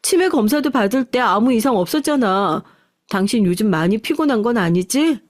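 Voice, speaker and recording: A woman's voice: a little high, animated, moderate pace, dry recording, studio quality, lightly acted. A woman voicing a devoted grown daughter who earnestly coaxes her mother in a radio story reading. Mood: coaxing. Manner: earnest, slightly raised and coaxing. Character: devoted adult daughter, worried wife.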